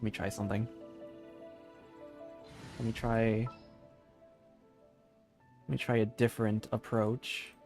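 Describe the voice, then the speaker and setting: A man live-streaming a video game with casual, slangy, excitable reaction commentary, often repeating his phrases. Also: fairly low pitch, slow pace, pauses often. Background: game music.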